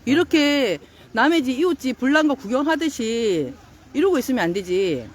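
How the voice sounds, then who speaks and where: High-voiced woman scolding police at a protest. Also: big pitch swings, moderate pace. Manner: insistent, scolding, repeats demands. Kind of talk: heated street confrontation. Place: outdoors at a street protest.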